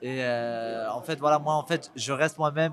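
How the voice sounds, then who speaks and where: This man speaks with a fairly high pitch. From southern France, Montpellier. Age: 20s. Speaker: MMA fighter. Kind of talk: interview. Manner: halting.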